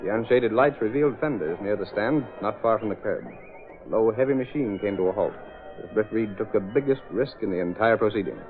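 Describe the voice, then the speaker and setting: A male announcer narrating an old radio drama in a crisp, dramatic way. His voice is on the low side and moves briskly, coming through a thin, tinny broadcast sound with faint music behind it. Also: animated. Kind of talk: scripted 1930s radio narration.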